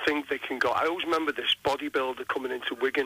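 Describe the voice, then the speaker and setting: A man with a Liverpool accent talks over noticeable background noise. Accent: Scouse. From Liverpool, England. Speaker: professional wrestler. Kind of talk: radio interview. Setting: phone call. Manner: animated, repetitive stammering starts.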